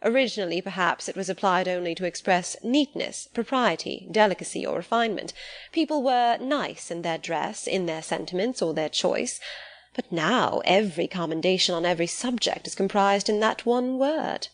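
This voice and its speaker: A woman voicing a witty young gentleman in an audiobook, playfully mock-serious and pedantic with formal phrasing. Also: mid-range voice, lively intonation, normal speed, lightly acted. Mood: mock-serious teasing.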